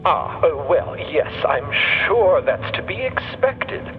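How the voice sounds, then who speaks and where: A man's voice: a little high, sing-song, slow pace, big-room sound, muffled recording, faint music behind. A man playing a curt, guarded professor explorer with formal, articulate diction in an audio drama. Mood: evasive, uneasy. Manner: formal, clipped, evasive. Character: male professor explorer with a mind in a machine body, guarded, curt. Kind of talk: audio fiction podcast acting.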